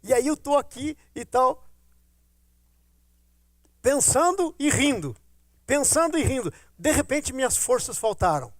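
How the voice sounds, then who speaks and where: A middle-aged pastor preaches a testimony with a notably high voice. He tells his story in a lively way, acting out his own remarks, and the sound is close and dry with no room echo. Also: measured pace, long pauses. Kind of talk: testimony sermon.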